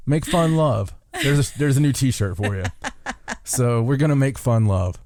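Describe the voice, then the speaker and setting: A man's voice: mid-range voice, normal speed, a little mellow, no room sound. A man hosting a podcast in casual, rambling, jokey chat, full of enthusiasm. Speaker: podcast host.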